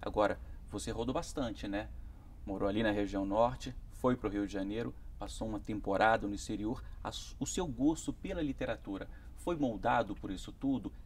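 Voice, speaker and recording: A man's voice: lowish voice, fairly quick, a little mellow, slight background noise. A man hosting a TV interview program, asking questions in a friendly way and reading scripted segment links. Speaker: TV show host.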